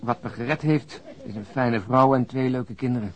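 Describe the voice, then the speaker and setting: A man's voice: medium pitch, moderate pace, lo-fi sound, lightly acted. An actor in a radio drama playing an overweight, jovial, world-weary policeman who talks bluntly and chattily with mild swearing. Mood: confiding. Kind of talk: naturalistic Dutch radio drama acting.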